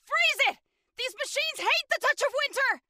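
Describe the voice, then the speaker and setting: An actress playing an earnest, resolute tribal woman warrior and healer in a video game, speaking in measured, formal phrases. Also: very high voice, animated, sharp tone, dry recording, clean studio sound, exaggerated voice. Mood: urgent battle shouting. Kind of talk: game character voice lines.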